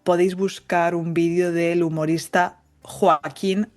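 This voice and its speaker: A woman's voice: on the low side, level tone, unhurried, a little mellow. Woman, light La Mancha Spanish accent, podcast guest, carefully articulated, chatty and joking. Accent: light Castilian Spanish from La Mancha. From Spain. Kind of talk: casual conversational interview.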